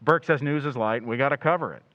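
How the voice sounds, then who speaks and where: A man's voice: mid-range voice, fast, a bit bright, highs cut off, natural voice. A man playing a wisecracking, grumbling news photographer in old-time radio style, slangy and mock-grand. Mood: grumbling, brisk.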